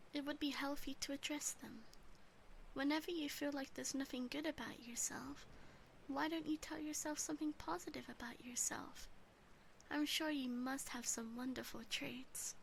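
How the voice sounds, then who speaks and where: A woman voicing a teasing, obsessive yandere demon sister in an ASMR roleplay, breathy and often whispering, gently doting and possessive. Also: sits high, steady tone, normal speed, a little hiss or hum. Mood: gentle reassuring.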